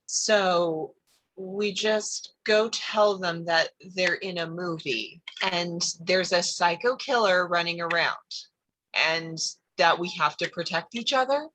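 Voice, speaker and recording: An actress playing a skeptical, sarcastic, blunt teenage girl with a husky voice in a horror comedy script read. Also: fairly low pitch, slow, fairly bright tone, dry recording, low-quality recording. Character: Vicky, skeptical, exasperated, sharp-tongued teenage girl.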